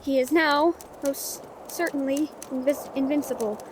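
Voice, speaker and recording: Audio-drama author heroine, actress: high voice, earnest and defiant, emotional delivery, slight background noise. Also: female voice, unhurried. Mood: tense narrating. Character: earnest, defiant female author facing her villain.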